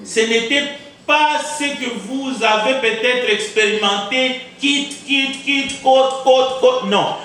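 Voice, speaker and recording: In a church sanctuary, a pastor with Kizimba as his first language delivers a sermon in a very high-pitched, sharp voice, with slight background noise. The recording is very echoey and made from a distance, and he preaches emphatically, repeating words, posing rhetorical questions and pausing with intent.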